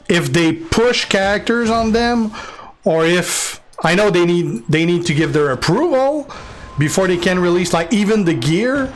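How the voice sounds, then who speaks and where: Young French Canadian streamer, slightly high voice, loose and rambling, faint hiss in the background. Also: male voice. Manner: relaxed, rambling with fillers and restarts. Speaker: game streamer answering chat. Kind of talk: casual live-stream chat.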